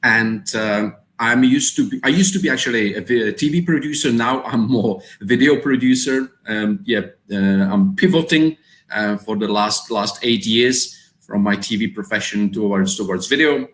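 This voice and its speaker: In a roomy, echoing recording, a Czech-accented webinar host from the Czech Republic speaks live at normal speed in a lowish, slightly bright voice. He hesitates often, repeating words and using many fillers.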